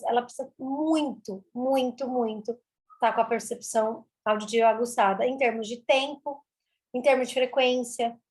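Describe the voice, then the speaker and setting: A fairly high-voiced woman talks as an interview guest. She explains things in an animated way, stacking up repeated words for emphasis. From Brazil. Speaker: speech therapist guest.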